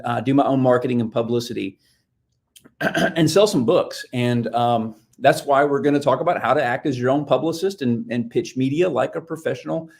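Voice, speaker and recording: Man, publicist, casual presenter, filler-heavy, middle-pitched voice. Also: gravelly, darkish tone. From Nashville-based. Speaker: book publicist, guest expert. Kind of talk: live-stream presentation.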